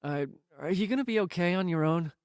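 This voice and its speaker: An actor playing a mild, affectionate boyfriend in an audio drama, talking casually with slight hesitation. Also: male voice, high-pitched, expressive, fairly quick, dry recording, clean studio sound. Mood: hesitant.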